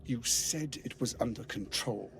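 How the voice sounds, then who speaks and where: An actor playing a suave, sardonic scheming tyrant in a video game, with polished, goading delivery. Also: male voice, mid-range voice, measured pace, vocal fry. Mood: mocking. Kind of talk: video game villain acting. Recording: loud background noise.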